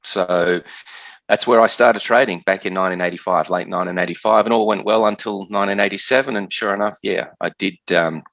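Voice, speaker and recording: A man in his fifties with an Australian accent tells his story at an easy, measured pace. His voice sits very low yet comes across bright and forceful. The recording is dry and sounds dull and lo-fi. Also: fairly even intonation, no room sound. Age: 50s. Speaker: guest trader. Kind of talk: storytelling interview answers.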